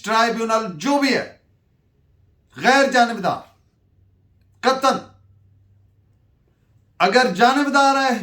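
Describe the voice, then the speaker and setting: A man with a very high voice and a Pakistani accent lectures in an echoey room. He goes slowly and deliberately, stressing his points and dictating references as a teacher would. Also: pushed and bright. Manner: deliberate and emphatic, switching between Urdu and English. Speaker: law lecturer. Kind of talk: lecture dictating case citations and explaining legal principles.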